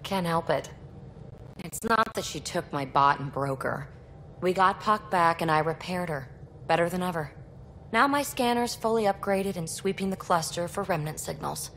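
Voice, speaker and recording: A woman's voice: fairly low pitch, lively intonation, moderate pace, fairly bright tone, slight background noise. A woman playing an impulsive, guarded, wry young alien adventurer in a video game, with breezy, sardonic delivery. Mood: vulnerable, frustrated. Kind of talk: video game dialogue acting.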